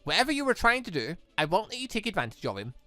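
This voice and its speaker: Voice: medium pitch, sing-song, rapid-fire, pushed and bright, dry recording, faint music behind. A British performer voicing a protective, suspicious young woman in a visual novel. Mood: stern, protective. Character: protective, suspicious young redhead girl, guarded.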